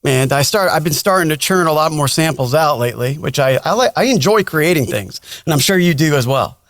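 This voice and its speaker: A man's voice: a little high, animated, brisk, a bit bright, no room sound, clean studio sound. A man interviewing a guest casually as a podcast host.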